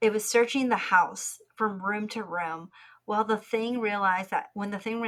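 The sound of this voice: Delivered in an unforced reading voice, the speech keeps a fairly even intonation.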